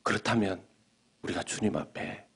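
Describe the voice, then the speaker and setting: Gravelly pastor preaching in hushed tones. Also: male voice, lowish voice, steady tone, moderate pace. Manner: hushed whispers building to fervent rising exhortation. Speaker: senior pastor. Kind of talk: sermon.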